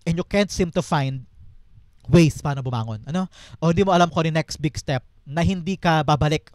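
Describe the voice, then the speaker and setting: A man's voice: a little high, fairly quick, a little mellow, no room sound. A man with a Filipino accent giving an earnest, emphatic tarot reading to camera, repeating words for stress. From Philippines. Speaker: tarot reader.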